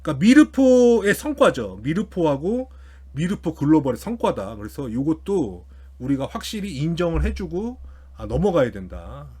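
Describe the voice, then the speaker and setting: A man's voice: a little high, big pitch swings, moderate pace, mellow, slightly rough. A man giving casual explanatory financial commentary as an online host, informally thinking aloud as he works through figures. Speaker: YouTube host commenting on company earnings.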